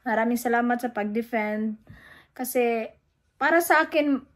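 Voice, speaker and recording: Filipina mom vlogging, high voice, keeps restarting, kinda emotional. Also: female voice, poor audio. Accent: Filipino, with Cebuano words. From Philippines. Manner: emotional, halting, many restarts and fillers, mixes English into Tagalog. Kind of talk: casual vlog monologue.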